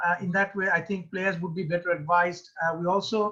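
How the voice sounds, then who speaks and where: A man speaks in a high, raised and projected voice. His tone is bright and sharp, with ordinary pitch variation. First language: Bengali. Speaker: sports lawyer. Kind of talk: panel discussion. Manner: halting.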